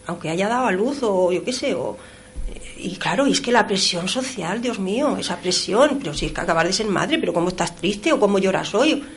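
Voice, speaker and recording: A middle-aged woman talking on a radio show, expressive and emphatic, with frequent exclamations. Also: mid-range voice, a little fast, a little hiss or hum. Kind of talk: radio talk-show discussion. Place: radio studio.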